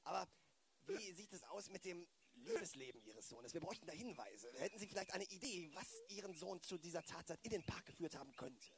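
A man acts a courteous but awkward inspector in an audio play. His voice is slightly high and creaky. He hesitates and repeats himself politely. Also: lively intonation, a little fast, crowd noise. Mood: probing. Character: courteous, fussy, awkward male police inspector. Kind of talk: improvised audio drama acting.

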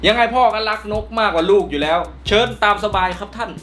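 A man's voice: high-pitched, lively intonation, fast, very noisy. A man voicing a sarcastic young adult son who argues back at his father, in a cartoon fan dub. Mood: smug. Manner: defensive, mocking. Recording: music under the voice.

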